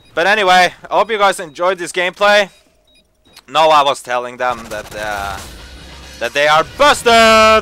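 Over music in the background, a high-pitched man talks at a moderate pace with very wide pitch swings and long, frequent pauses. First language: not English. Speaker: gaming YouTuber. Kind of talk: gameplay commentary. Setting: gaming headset mic. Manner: animated.

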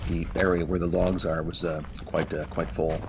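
Loud background noise fills the clip as a man speaks. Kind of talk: casual vlog chat. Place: open country. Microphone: phone near.

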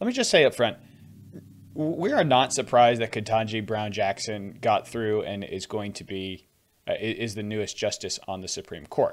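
A man speaks at a moderate pace, with the background kept quiet. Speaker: podcast host, pastor. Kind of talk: commentary. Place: home room. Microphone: studio mic.

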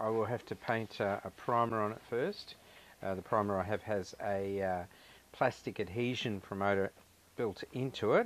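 At a moderate pace, a man with a fairly low pitch speaks in a plain, everyday voice. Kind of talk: tutorial. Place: workshop.

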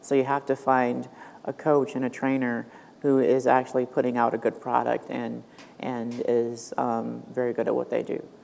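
There is light background noise behind a woman's voice. She speaks with long, frequent pauses. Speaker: professional MMA fighter. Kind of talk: on-stage interview Q&A. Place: stage. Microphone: lapel.

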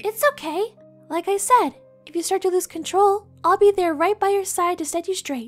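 A female-sounding put-on character voice at an extremely high pitch plays over faint music in the background. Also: moderate pace. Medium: audio drama. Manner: soft-spoken.

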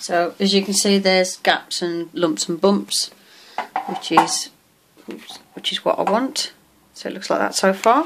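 Long, frequent pauses at a fairly slow pace over loud background noise. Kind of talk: tutorial. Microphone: phone near.

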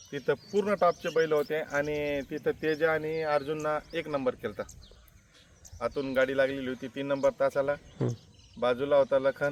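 A man with a fairly high pitch talks with fairly even intonation in an ordinary speaking voice, the sound dry and close with no echo. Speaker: bullock cart race owner. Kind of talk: interview.

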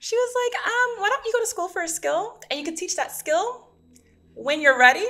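In a raised, projected voice, a woman with an extremely high pitch and a bright, sharp tone talks at a moderate pace with very wide pitch swings. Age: 20s. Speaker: software engineer; interview guest. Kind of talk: casual chat. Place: studio. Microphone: studio mic.

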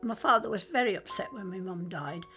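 Clear background music behind a woman talking at a moderate pace. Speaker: interviewee recalling family history. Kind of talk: interview answer. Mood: warm, nostalgic. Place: home room.

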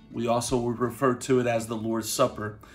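A man speaking at a fairly quick pace over faint music in the background. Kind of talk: devotional talk. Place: office. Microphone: phone near.

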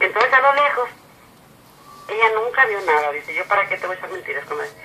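A woman's lively intonation stands out against noticeable background noise. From northern Mexico, Coahuila. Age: 60s. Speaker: caller. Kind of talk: storytelling.

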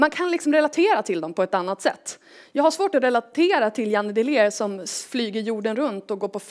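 A woman talks at a fairly quick pace with lively intonation and a fairly high pitch. The background is quiet. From Sweden, Örnsköldsvik (Norrland); Sweden. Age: 30s. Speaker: industry organisation founder; conference speaker. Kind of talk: conference talk. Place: stage.

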